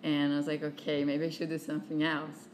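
A woman's voice: deep voice, completely flat delivery, a little fast, a little hiss or hum. A woman in her thirties from southern Brazil with a Brazilian Portuguese accent, a guest talking casually with lots of fillers and laughs. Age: 30s. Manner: chatty, many fillers, laughs often. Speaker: guest, venture capitalist. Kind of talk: casual interview chat.

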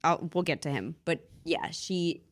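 A woman's voice: deep voice, a little slow. A woman in casual conversation, retelling old myths in a chatty, giggly way with lots of fillers and restarts. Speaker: podcast co-host. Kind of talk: casual chat about mythology.

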